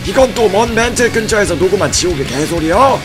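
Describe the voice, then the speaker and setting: A man voicing an irate, cranky old grandpa who rants and complains loudly in a comic webtoon dub. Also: high-pitched, lively intonation, a little fast, over music. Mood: furious. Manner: shouting, ranting complaints.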